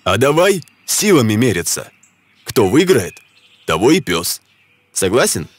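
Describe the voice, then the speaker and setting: A man's voice: mid-range voice, big pitch swings, a little slow, no echo. A man playing a brave, determined hunter hero in a folk-tale cartoon, bold and commanding. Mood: challenging. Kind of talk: animated folk-tale character acting. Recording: loud music behind the voice.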